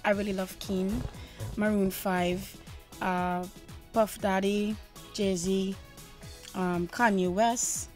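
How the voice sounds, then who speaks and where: Casting: young woman, mid-pitched, confident and lively in an interview, faint music underneath. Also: takes it slowly, pauses often. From Trinidad and Tobago. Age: young adult. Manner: confident, animated, frequent "you know". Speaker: singer interviewed. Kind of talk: interview answers.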